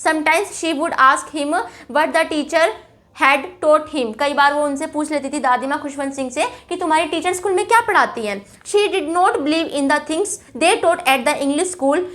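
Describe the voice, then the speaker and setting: A young woman teaching an English chapter in Hindi, chatty, calling students "bhai" and checking in with "theek hai", reading English lines slowly before explaining them. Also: sits high, fairly bright tone.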